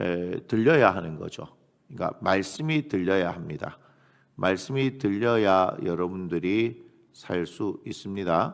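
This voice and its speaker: Delivered at a very slow pace with lively intonation, the recording is very clean against a silent background. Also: man, fairly low pitch for a man. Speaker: pastor. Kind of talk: sermon.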